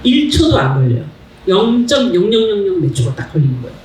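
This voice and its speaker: A middle-aged woman giving a public lecture in a hall, animated and asking the audience questions. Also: medium pitch, brisk, far from the mic, a little hiss or hum. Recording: echoey hall, mic heard from afar.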